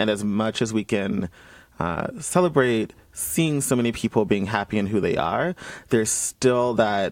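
A man with an American accent and an unremarkable speaking voice talks at a fairly slow pace in a medium pitch with lively intonation, in a very clean recording over a silent background. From Georgia, US South (Columbus). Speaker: activist and community organizer. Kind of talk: panel discussion.

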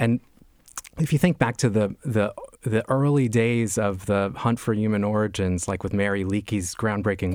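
At a moderate pace, a man with an unremarkable speaking voice and fairly low pitch speaks in a very clean recording with a silent background. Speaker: geologist. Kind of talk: interview. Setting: studio.

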